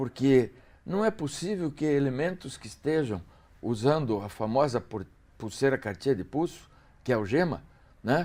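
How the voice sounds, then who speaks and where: A man with a medium-pitched voice and a dark, mellow tone speaks at a fairly slow pace with long, frequent pauses. His intonation is lively, his loudness swings a lot, and the recording is very clean with a silent background. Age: 60s. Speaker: gubernatorial candidate. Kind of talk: political interview.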